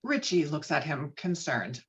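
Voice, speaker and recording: A woman's voice: deep voice, a little slow, fairly bright tone. A woman reading screenplay stage directions as narrator at an online table read. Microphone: video call. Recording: dull lo-fi online call audio.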